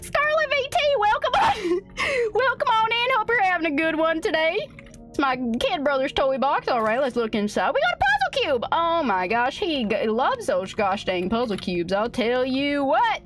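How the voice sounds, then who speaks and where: High-pitched, animated woman with put-on cowboy accent. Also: moderate pace. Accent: put-on American cowboy Western. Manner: folksy, exaggerated cowgirl drawl with mild oaths like gosh dang. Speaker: game livestreamer. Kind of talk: playful in-character game stream chat, reading game text aloud.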